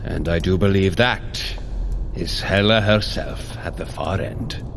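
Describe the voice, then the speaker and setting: An actor playing a noble, earnest warrior god in an audio drama, speaking in a formal, commanding way. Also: male voice, low-pitched, measured pace, vocal fry, slight background noise. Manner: stately, formal, declarative. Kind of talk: scripted audio drama acting.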